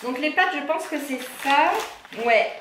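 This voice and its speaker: A woman's voice: sits high, a little slow, fairly bright tone. Woman vlogger, casual unboxing chat, reads labels aloud, echoey room, faint background noise. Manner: chatty, reads ingredient lists with fillers and self-corrections. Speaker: vlogger unboxing a food box.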